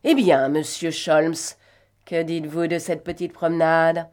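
Cool gentleman thief, read by a woman narrator, unhurried and ironic, lowish voice. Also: flat delivery. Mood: mocking. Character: mocking, cool gentleman thief, adult man.

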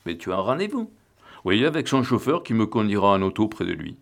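A tipsy, cagey man who dodges every question, his low voice stumbling and halting. A man reads him in a storybook, keeping close to his own voice. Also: sing-song, vocal fry. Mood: evasive. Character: drunk, evasive man nicknamed the gentleman.

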